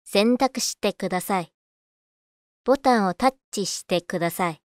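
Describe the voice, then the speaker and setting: A woman's voice: medium pitch, moderate pace, dry recording. Dry-sounding woman doing scripted voice-over. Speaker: voice actor. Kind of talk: scripted narration and announcements, voice-over demo.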